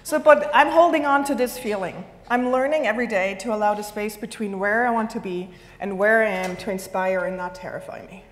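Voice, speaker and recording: A woman's voice: mid-range voice, fairly quick, hardly any pauses. Woman speaking in a reverberant hall. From Switzerland. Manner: lively, self-deprecating, laughs often. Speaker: keynote speaker. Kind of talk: conference talk. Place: large conference hall.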